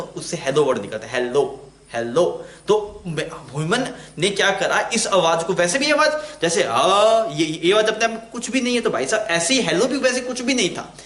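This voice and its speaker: In an online physics lecture, a man with a high voice and fairly bright tone teaches in a chatty way. He poses questions to the class and then answers them himself. The room sounds echoey.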